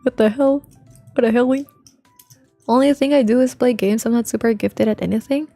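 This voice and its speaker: A woman livestreamer with a soft, quiet voice, chatting informally and playfully with viewers and swearing now and then. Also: a little fast, no room sound. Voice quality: soft, low-volume voice, unlike their usual loud one. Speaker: live streamer. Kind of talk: casual livestream chat with viewers. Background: faint music.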